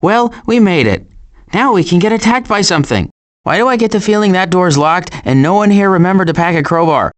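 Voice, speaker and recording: A man voicing a sardonic, glib animal adventurer in an animated video game, with dry sarcasm and deadpan asides. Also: high voice, fairly quick.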